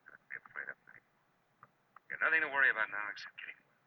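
An actor playing a hard-boiled, world-weary private eye who can turn tender, brooding and clipped in 1940s radio noir style. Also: male voice, fairly low pitch, sing-song, rapid-fire. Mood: gentle, hushed. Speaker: lead actor and narrator of detective series. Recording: muffled, very noisy old radio recording.

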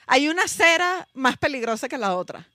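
A Venezuelan woman with a Venezuelan Spanish accent guests on a podcast, telling stories with animation and acting out quoted voices. Her voice is high and bright. The sound is dry and close. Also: sing-song, fairly quick, no echo. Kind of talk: casual storytelling chat.

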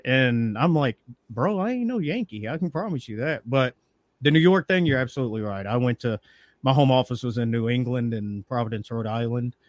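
A man's voice: mid-range voice, fairly quick, dry recording. A Southern man in his forties from Tennessee, hosting a casual chat and laughing as he tells stories. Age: 40s. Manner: laughing, animated storytelling. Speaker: podcast host.

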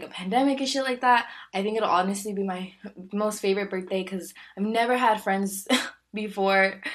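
A woman's voice: medium pitch, a bit bright. Chatty, candid woman in her twenties. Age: 20s. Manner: chatty, candid, laughs often, many fillers. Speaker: podcast host. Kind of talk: casual solo podcast chat.

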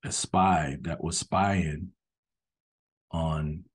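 Husky very deep-voiced man talking casually. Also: steady tone, drawn-out words. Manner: rambling, earnest, frequent "you know". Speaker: host commenting on history videos. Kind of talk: casual spoken monologue.

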